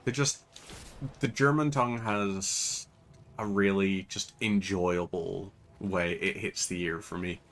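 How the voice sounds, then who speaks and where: Rambling low-voiced Irish gamer guy. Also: steady tone, slow, a bit bright. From Ireland. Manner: rambling, chatty, many fillers. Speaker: gaming channel host. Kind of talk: casual gameplay commentary.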